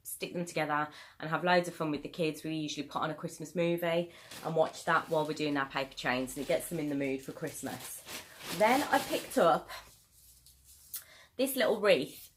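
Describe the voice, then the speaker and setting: A croaky woman in her thirties chats easily and warmly about what she bought, her voice sitting fairly low. She talks at home with a faint hiss of noise behind her. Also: normal speed. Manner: relaxed, chatty, frequent ums. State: croaky from a cold. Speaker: YouTuber. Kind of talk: chatty haul video.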